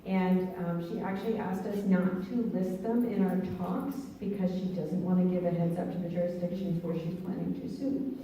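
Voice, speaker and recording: A woman attorney fields questions from the audience in a measured, hedging way. Her voice is low and dark. It rings through a reverberant church hall, picked up from well back. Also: slight background noise. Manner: measured, hedging, thinks aloud. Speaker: attorney on a panel. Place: church hall at a public meeting. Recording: roomy hall, mic far off.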